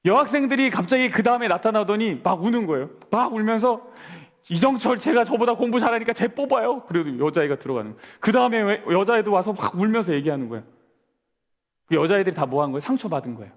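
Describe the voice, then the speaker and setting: Man, 40s, pastor giving a storytelling sermon, lively delivery with the long reverb of a church hall. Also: high voice, fast, lo-fi sound. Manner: storytelling, asks the congregation questions and answers them. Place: church sanctuary.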